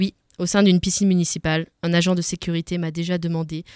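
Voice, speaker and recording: At a fairly low pitch and a fairly quick pace, a woman speaks in a monotone, flat way, with a dry, close sound, no echo, and a very clean recording over a silent background. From Alsace, France. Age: 20s. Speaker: radio columnist. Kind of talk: reading aloud. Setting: studio.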